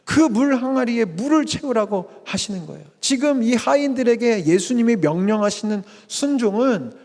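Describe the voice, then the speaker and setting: A man preaching a lively sermon as pastor, acting out the people in the story with quoted asides. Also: extremely high pitch, moderate pace. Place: church sanctuary. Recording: long hall reverb.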